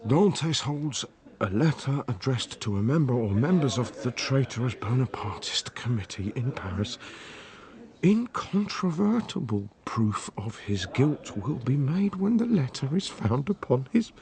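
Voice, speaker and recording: An actor playing a lovesick, jealous young fisherman who is quick to anger, in a radio drama. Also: mid-range voice, big pitch swings, a little mellow. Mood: reading.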